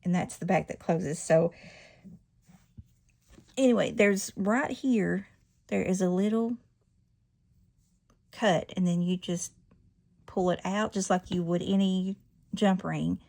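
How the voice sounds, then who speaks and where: A woman's voice: fairly low pitch, takes it slowly, vocal fry, pauses often, a little mellow. Chatty woman demonstrating jewelry making. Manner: chatty, self-correcting, laughs at her slips. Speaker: jewelry-making channel host. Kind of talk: casual craft tutorial.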